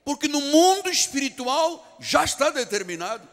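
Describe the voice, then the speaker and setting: A man's voice: very high voice, big pitch swings, moderate pace, fairly bright tone. Portuguese-accented pastor preaching, repeats his points hard, voice rings out in a big echoey church. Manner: emphatic, repeats key phrases, storytelling. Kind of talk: sermon. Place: large church sanctuary. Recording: long church reverb.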